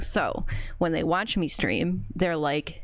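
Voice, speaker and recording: A woman with a fairly low voice and vocal fry speaks at a moderate pace with ordinary pitch variation. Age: 30s. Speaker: streamer. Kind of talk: casual chat.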